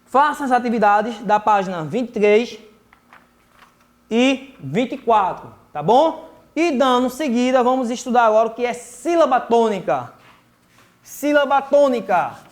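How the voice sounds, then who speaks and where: A man's voice: very high-pitched, animated, measured pace. A man with a Brazilian Portuguese accent teaching a remote grammar lesson to children, patient, repeating words and checking in often. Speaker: primary school teacher.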